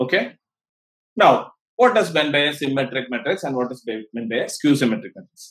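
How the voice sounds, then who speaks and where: Lively intonation colors a man's fairly high-pitched voice. His pace is fairly quick, though he leaves long, frequent pauses. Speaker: maths teacher. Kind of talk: online live lecture. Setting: online live class.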